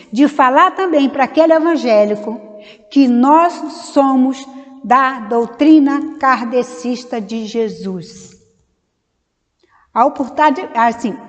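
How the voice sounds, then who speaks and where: A woman's voice: high voice, muffled recording. A Brazilian woman giving an informal, conversational religious study talk, wandering off on side stories and acting out small dialogues. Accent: Brazilian Portuguese. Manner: conversational, digressive, acts out little dialogues. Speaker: speaker at a Spiritist study meeting. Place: meeting hall of a Spiritist center. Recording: long hall reverb.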